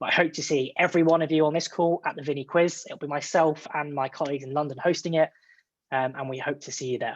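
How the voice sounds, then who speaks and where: A man talks at a very fast pace. His fairly high voice shows big swings in loudness. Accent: British. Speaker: customer engagement manager, webinar presenter; webinar presenter. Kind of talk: software webinar. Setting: online video call. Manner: upbeat, casual. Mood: friendly, light, joking. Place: home room. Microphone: webcam.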